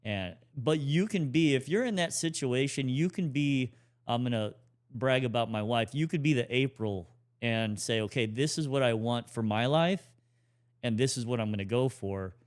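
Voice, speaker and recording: A man in his forties co-hosting a family podcast, talking in a relaxed, rambling way with restarts. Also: mid-range voice, normal speed. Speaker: podcast co-host. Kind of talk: casual conversational talk.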